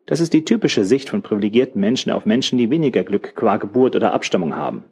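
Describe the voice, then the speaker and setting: Man voicing a learned old man, audiobook, measured lecture, mellow, low. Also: expressive, slightly rough. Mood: lecturing. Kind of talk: audiobook character voice.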